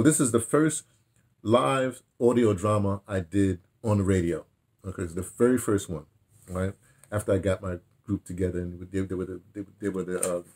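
Husky older man, low-voiced and rambling. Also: a little mellow. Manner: halting, digressive, musing aloud, repeats words. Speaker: veteran radio drama director recounting career. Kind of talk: casual rambling reminiscence to camera. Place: small furnished home room with bookshelves.

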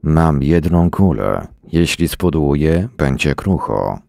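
Guy reading as a grim english settler, bitter and growly, deep rough voice, slow. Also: animated, no room sound, studio quality, heavily acted. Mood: brooding. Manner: harsh, bitter, shouting commands.

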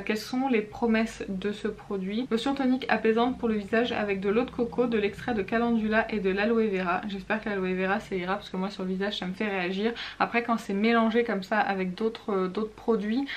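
Woman beauty vlogger, casual haul at home, chatty with hesitant fillers, reads product labels aloud at a mid pitch.

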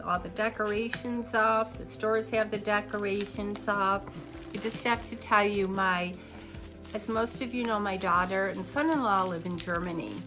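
An older woman in her sixties talks to the camera from her living room, her voice a bit nasal from a cold. She rambles at an unhurried pace with plenty of ums. Soft music sits faintly behind her. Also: mid-range voice. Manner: chatty, rambling with fillers, seated talking to camera. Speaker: unboxing vlogger. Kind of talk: casual chatty unboxing. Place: living room at home, indoors.

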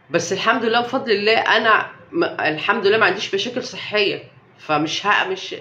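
A woman's voice: mid-range voice, fairly bright tone, highs cut off. Defiant Egyptian woman on an echoey live stream. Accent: Egyptian Arabic. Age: young adult. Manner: emphatic and defiant, with repeated rhetorical questions. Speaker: health vlogger. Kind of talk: casual live-stream talk.

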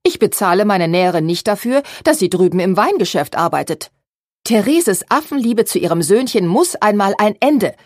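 A woman voicing a strict middle-aged shop owner who is quick to anger, in an audiobook, with a breathy voice. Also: on the low side, a little mellow, dry recording, clean studio sound. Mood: stern. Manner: stern, indignant.

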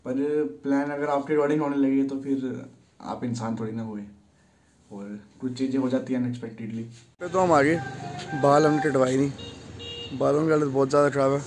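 A man's voice: medium pitch, steady tone, fairly quick, faint music behind, rough recording. A man, chatting casually to a phone at arm's length as a travel vlogger. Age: 20s. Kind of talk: casual travel vlog chat. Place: plain rooms, rooftop, streets and shops.

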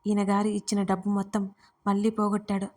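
A woman's voice: medium pitch, completely flat delivery, a little fast, darkish tone, close to an everyday voice. A woman voicing an angry, resentful grown son who complains sharply about his father in an audio storybook. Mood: irritated.

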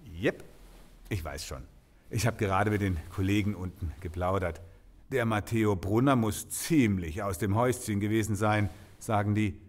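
An actor playing a breezy, gossipy police officer with a flippant, colloquial way of talking in an audio drama. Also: male voice, fairly low pitch, normal speed, close to an everyday voice.

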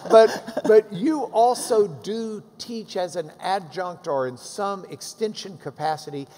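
A man's voice: sits high, dark tone. Joking middle-aged male interview host. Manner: jovial, quick with jokes. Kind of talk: conversational interview. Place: church stage, large hall. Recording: reverberant hall, faint noise.

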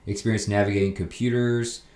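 Low-voiced man, roomy echo. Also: little pitch movement, fairly quick, darkish tone. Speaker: online job tips video host. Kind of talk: casual explanatory screen-share narration.

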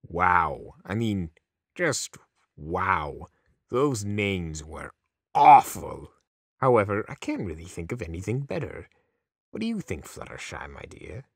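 A man's voice: big pitch swings, takes it slowly, dry recording, studio quality, heavily acted. An actor playing Discord, a snarky, theatrical male chaos spirit in a fan radio drama. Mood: sarcastic. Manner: sarcastic, theatrical swings in pitch.

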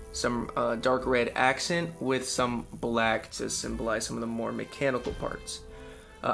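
A man's voice: medium pitch, vocal fry, fairly bright tone. A young man giving a casual, unscripted showcase as a hobby presenter, talking in a hesitant, loosely worded way. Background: background music.

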